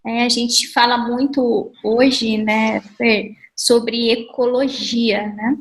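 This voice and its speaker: A woman with a high voice responds in a relaxed conversation. She searches for her words, hesitating and restarting as she builds her point. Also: slow pace, noisy background. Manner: thoughtful, hesitant, with many fillers. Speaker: conversation partner. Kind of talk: conversational talk.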